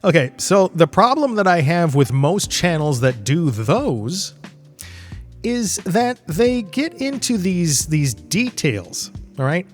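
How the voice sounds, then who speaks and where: Middle-aged man, higher-pitched voice, casual podcast. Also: big pitch swings, slow, soft background music. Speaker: podcast host. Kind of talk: casual rambling podcast monologue.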